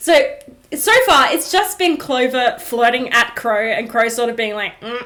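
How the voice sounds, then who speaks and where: Her pitch high, a woman speaks with lively intonation at a fairly slow pace. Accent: Australian. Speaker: podcast co-host. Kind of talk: casual chat. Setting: live stream. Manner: animated.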